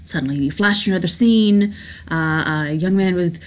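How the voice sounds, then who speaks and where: A woman's voice: fairly low pitch, normal speed, slight background noise. A woman chatting her way through a story game at home, reading the text aloud and gushing about it. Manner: chatty, enthusiastic, giggly, with restarts. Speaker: let's play host. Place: home, at a laptop.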